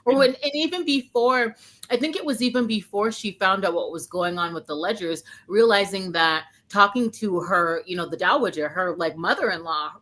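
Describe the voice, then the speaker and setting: A woman's voice: mid-range voice, moderate pace, fairly bright tone. A woman chatting casually and effusively about books, rambling and peppering her talk with "like". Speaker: book discussion panelist. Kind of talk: casual chat, gushing about a novel.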